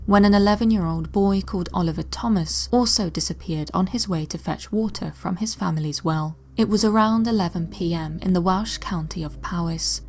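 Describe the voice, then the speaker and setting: A woman with a fairly low voice narrates a mystery from a script at a measured pace. Every so often she sinks into a hushed near-whisper, while soft music plays quietly beneath her.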